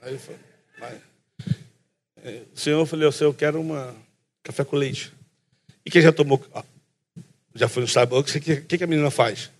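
A man with a Carioca accent preaching a sermon, telling a story with lively energy and acting out both sides of the talk, often calling the listeners brother. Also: fairly high pitch, moderate pace, long pauses. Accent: Carioca Brazilian Portuguese. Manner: calls the listeners "brother" again and again. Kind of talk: sermon with a funny personal story.

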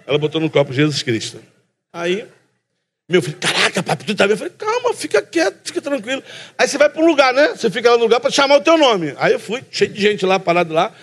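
A man with a Carioca accent preaches, with a voice that sits high for a man. His tone is husky and a little breathy. He tells a story with energy, acts out each side of the conversation, and keeps calling out to his listeners. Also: quick pace. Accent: Carioca Brazilian Portuguese. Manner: animated storytelling, acting out both sides of a conversation; calls the listeners "brother" again and again. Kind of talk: sermon with a funny personal story.

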